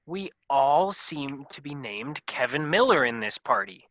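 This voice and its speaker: Comedy guest played by a woman: folksy guy, deep for her, bright and forceful, chummy. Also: big pitch swings, unhurried, dry recording, exaggerated voice. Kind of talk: staged reading of comedy sketch.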